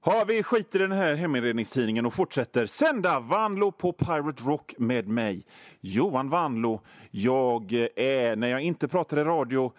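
A man's voice: mid-range voice, lively intonation, dry recording, studio quality. Rambling male radio host. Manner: rambling, self-mocking, many fillers and restarts. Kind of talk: comic radio monologue.

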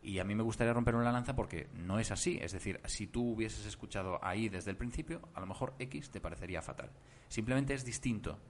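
A man with a very deep, low voice speaks as a podcast guest. He tells his stories in an animated way and wanders into asides, with a faint hiss in the background. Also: fast talker. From Germany. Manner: animated storytelling, many asides. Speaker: voice actor guest. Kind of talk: casual podcast interview.

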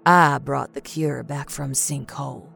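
A woman voicing a wise, patient female tribal storyteller, measured and earnest. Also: rumbling low, steady tone, creaky, fairly bright tone, husky, faint music behind, full character voice.

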